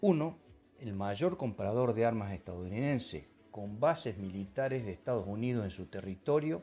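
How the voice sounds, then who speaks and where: A man at a medium pitch and moderate pace, very wide pitch swings, music in the background. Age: 60s. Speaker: political commentator. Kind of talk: scripted commentary. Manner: formal.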